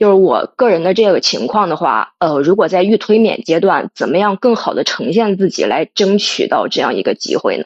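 In a plain, everyday voice, a woman talks at a moderate pace and medium pitch, the sound dry and close with no echo. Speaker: undergraduate student caller. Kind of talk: call-in question.

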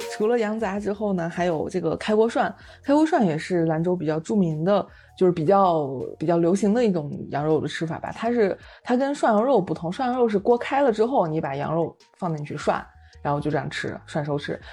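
A fairly quick pace with music in the background. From Lanzhou, Gansu, northwest China. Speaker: podcast co-host. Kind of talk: casual chat.

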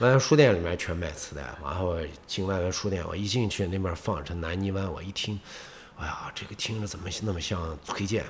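The speech moves at a fairly quick pace. Audible room echo is present. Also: man, very deep, low pitch for a man, ordinary pitch variation. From Yinchuan, northwest China. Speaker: rock band lead singer. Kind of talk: casual interview.

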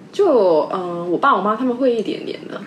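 Noticeable background noise and audible room echo surround a woman whose pitch varies in an ordinary way. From Chaozhou, Guangdong, China. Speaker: podcast guest. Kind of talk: casual chat.

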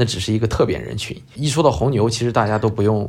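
This man talks at a fairly quick pace in a fairly low pitch. His voice has vocal fry. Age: 30s. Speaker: extreme sports enthusiast, skydiver. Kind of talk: interview conversation.

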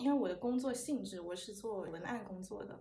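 A woman's medium-pitched voice with vocal fry and audible room echo. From southern China, Shenzhen. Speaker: podcast co-host. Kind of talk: casual chat.

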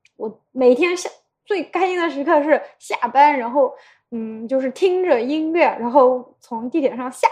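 The voice belongs to a woman and sits high in pitch. Her intonation moves in a lively way. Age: 30s. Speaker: former marketing and data professional. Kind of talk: casual interview chat. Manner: hesitant, many fillers.

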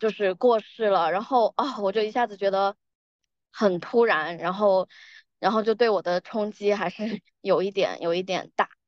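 At a moderate pace, a woman with an ordinary speaking voice and fairly even intonation is heard in a dry, close sound with no echo. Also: medium pitch for a woman. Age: 30s. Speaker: healthcare worker. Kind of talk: casual chat. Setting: remote call.

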